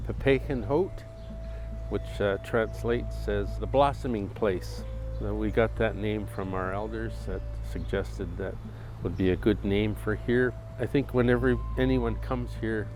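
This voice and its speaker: A man speaking calmly and unhurriedly in a documentary interview, describing a garden. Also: on the low side, unhurried. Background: music.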